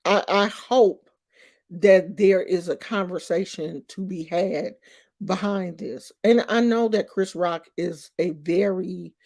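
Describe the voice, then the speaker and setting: Woman, 50s, slow unhurried delivery, emphatic, streetwise, casual vlog commentary. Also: fairly low pitch, darkish tone. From Oakland, California. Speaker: vlogger.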